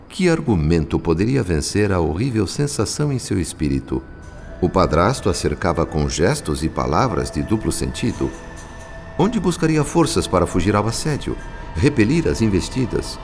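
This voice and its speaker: Deep-voiced Brazilian male radio drama narrator. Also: a little mellow. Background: background music.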